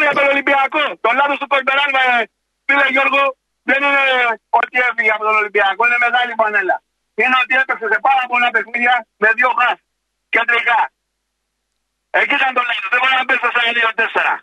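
A very high-pitched man with a sharp, cutting voice rants down the line at a sports phone-in, agitated and confrontational. His words come in rapid-fire bursts. The sound is dry and close. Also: steady tone, no echo, low-quality recording. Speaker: radio show caller. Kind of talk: heated phone-in rant on football.

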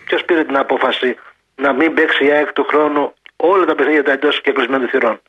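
Husky man ranting on a phone line. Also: mid-range voice, fairly even intonation. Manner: heated, ranting, repeats himself. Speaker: caller. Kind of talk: casual call-in chat.

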